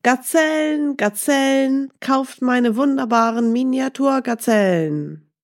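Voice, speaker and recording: A woman's voice: medium pitch, expressive, unhurried, warm tone, no room sound, studio quality. A woman voicing a brusque male street trader in a storybook, calling out his wares. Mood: hawking. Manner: hawking, calling out.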